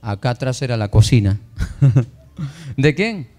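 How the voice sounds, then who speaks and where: A man's voice: medium pitch, expressive, slow, a little mellow. A man preaching as a pastor, telling his personal testimony to the congregation with emotion, acting out the dialogue he recounts. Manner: emotional storytelling, acts out quoted dialogue, addresses congregation as brothers. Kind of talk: sermon testimony.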